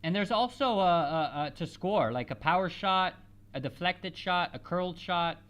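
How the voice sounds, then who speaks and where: A host whose first language is Spanish, chatting casually through a live football match, answering viewers in a rambling, halting way full of restarts and switching between English and French. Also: medium pitch, animated, fairly bright tone. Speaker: host of a live football watch-along stream.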